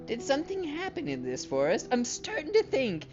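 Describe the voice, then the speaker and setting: A man's voice: very high voice, huge pitch swings, moderate pace, pitched above the performer's own voice, full character voice. A man voicing a playful young heroine who slips into a mock witch voice, teasing and theatrical. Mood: curious. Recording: muffled, game music behind.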